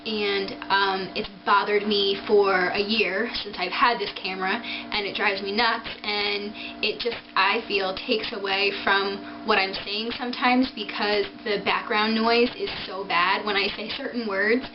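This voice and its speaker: A woman vlogger talking casually and haltingly to her webcam, with drawn-out, hissing s sounds like a lisp. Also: mid-range voice, fairly even intonation. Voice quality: lisping, hissy drawn-out s sounds. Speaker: video blogger. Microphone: webcam microphone. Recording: noisy dull webcam audio, hissing sibilance.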